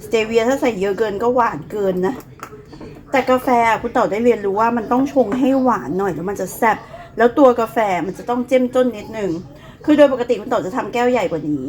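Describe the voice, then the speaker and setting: A woman's voice: on the high side, fast talker, darkish tone, low-quality recording. A woman in her thirties from Thailand with a Northeastern Thai accent, chatting casually through a home cooking vlog and calling herself by her own nickname. She has a cough and some phlegm. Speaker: cooking vlogger.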